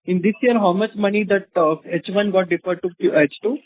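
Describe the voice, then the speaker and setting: A man's voice: high voice, steady tone, fairly quick, no room sound. A man with an Indian accent asking questions as an analyst on a call, deferential and a little hesitant. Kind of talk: unscripted question and answer. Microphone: telephone. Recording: dry tinny phone line.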